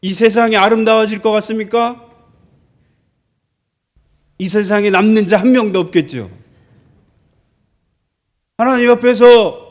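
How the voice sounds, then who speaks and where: A male pastor preaching a sermon in a church, telling a story from his army days and asking the congregation questions. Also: sits high. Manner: storytelling, slows and stresses key phrases, asks the congregation questions.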